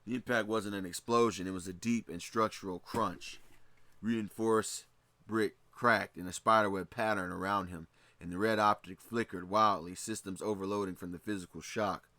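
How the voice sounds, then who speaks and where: A man narrating a fan fiction story in a steady reading, with occasional slips and restarts. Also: fairly low pitch, moderate pace, no room sound.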